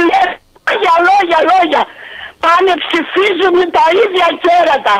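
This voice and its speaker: This woman's pitch is extremely high, and she speaks at a very slow pace. There is noticeable background noise. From Greece, Achaea (Peloponnese). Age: 70s. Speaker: caller. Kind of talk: angry call-in rant. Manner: animated.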